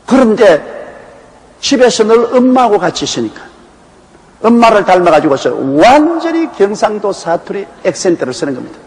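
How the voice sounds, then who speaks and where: A pastor from Korea's Gyeongsang province gives a Bible exposition sermon, telling it in a folksy, anecdotal way. His high, darkish voice is very animated and moves at normal speed. The sound comes from an echoey hall with faint background noise.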